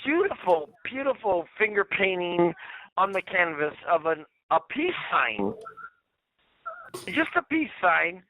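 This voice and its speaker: A man leaving a rambling voicemail over the telephone, talking in a halting, repetitive, drawn-out way. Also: sits high, big pitch swings, no echo. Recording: tinny phone-line voicemail.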